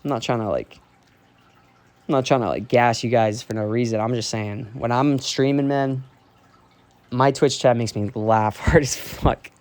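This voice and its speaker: A man's voice: medium pitch, steady tone, unhurried, a little mellow. Candid young man rambling into a phone. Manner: candid and rambling, heavy swearing and fillers. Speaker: streamer. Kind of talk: casual rambling monologue. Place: dark basement. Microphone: phone held while walking.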